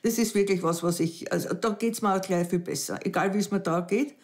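Widowed woman, soft gravelly voice. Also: lowish voice, fairly quick. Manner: hesitant, reflective, softening into near whispers. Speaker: dating show candidate. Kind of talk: emotional interview. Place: living room at home.

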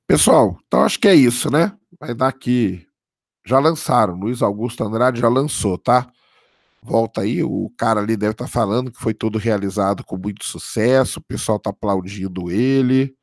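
A man, hoarse from a cold, casually commenting on a live stream and answering viewer chat, often checking in with "tá?". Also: mid-range voice, moderate pace, no echo, studio quality. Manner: casual, keeps adding "tá?" for confirmation. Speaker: livestream host.

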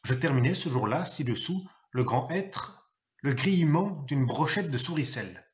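Man reading a novel aloud, expressive. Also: on the high side, moderate pace, slight background noise. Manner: expressive storytelling, acting out the father's gruff shouted lines. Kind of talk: literary reading.

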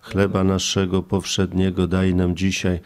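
A deep-voiced man, a priest hosting a radio show, who speaks in a calm and level way. He closes the program and then leads a prayer with little rise or fall in his voice. The sound is dry and close, recorded in a studio. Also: unhurried, clear, resonant tone, no echo. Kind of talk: radio show closing remarks and leading a spoken prayer.

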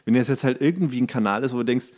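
A man's voice: mid-range voice, rapid-fire, a little mellow. Casually rambling man, podcast chat. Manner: rambling, thinking aloud, with English slang mixed in. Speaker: podcast host.

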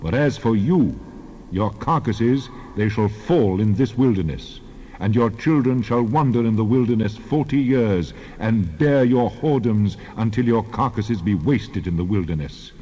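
Wrathful God in cavernous reverb. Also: male voice, on the low side, lively intonation, warm tone, breathy edge. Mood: stern, wrathful. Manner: stern, measured, declamatory. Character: God, a wrathful, solemn male deity passing judgment. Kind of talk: dramatized Bible reading. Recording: long hall reverb, dull sound.

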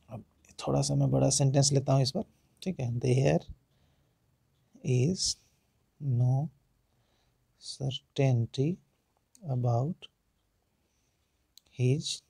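A man with an Indian accent teaching English pronunciation, explaining slowly and reading example sentences word by word with stress. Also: mid-range voice, creaky, mellow, slightly rough, no echo. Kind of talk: spoken English lesson in Hindi.

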